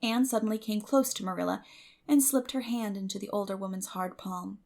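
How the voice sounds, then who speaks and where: A woman's voice: mid-range voice, a little fast, darkish tone. A woman reading scripted literary narration as an audiobook narrator.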